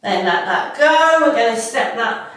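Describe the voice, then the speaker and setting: High-voiced woman, echoey room. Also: animated. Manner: warm, unhurried cueing. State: slightly stuffy from a cold. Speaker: fitness instructor. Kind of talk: guided workout instruction. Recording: echoey room, mic at a distance.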